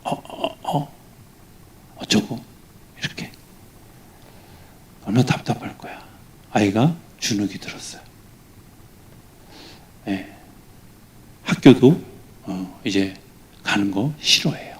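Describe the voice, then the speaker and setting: A male pastor giving a lively weekday sermon, acting out the voices he quotes with sudden rises in pitch and volume. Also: slow pace, pauses often, breathy edge. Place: church.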